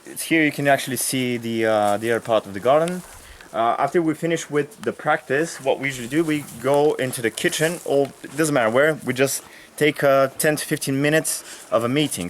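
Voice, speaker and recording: A man's voice: medium pitch, a little fast, a little hiss or hum. Young Bulgarian-accented man giving a tour. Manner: relaxed, with frequent fillers and restarts. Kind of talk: casual explanatory tour. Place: outdoors in a rural garden and field.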